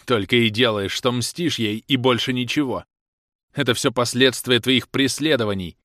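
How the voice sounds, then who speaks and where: A man's voice: mid-range voice, animated, normal speed, fairly bright tone, no room sound, clean studio sound, lightly acted. A man voicing a jealous, furious young man who hurls accusations at his lover in a raised, scornful voice. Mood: angry. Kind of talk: audiobook character reading.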